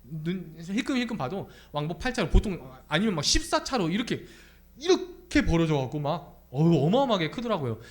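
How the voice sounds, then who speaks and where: A man's voice: a little high, fairly quick. A young adult man preaching a Sunday sermon in church, asking his congregation question after question. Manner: animated, asks the congregation many questions. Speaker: pastor. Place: church sanctuary.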